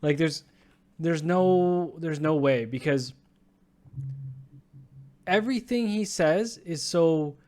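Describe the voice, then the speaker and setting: A man's voice: a little high, takes it slowly, pauses often, darkish tone. Blunt, ranting young man on a podcast. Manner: blunt, profane, ranting with laughs. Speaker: podcast co-host. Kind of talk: casual sports chat.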